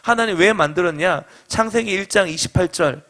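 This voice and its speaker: A man's voice: sits high, fairly quick, fairly bright tone. A male pastor, middle-aged, giving a fervent sermon and leading the congregation in responses and shared readings.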